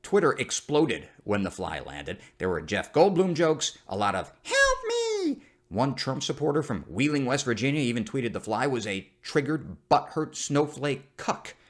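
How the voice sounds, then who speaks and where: A man's voice: mid-range voice, big pitch swings, normal speed, few pauses. A man delivering scripted comedic news commentary as the host of a satire show, in the manner of a parody news anchor.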